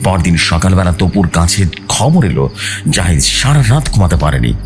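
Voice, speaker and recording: Casting: male horror narrator, low voice, hugely varied intonation, suspenseful and theatrical, clear music bed. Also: very animated, moderate pace. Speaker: horror storyteller. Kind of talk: dramatic first-person horror narration.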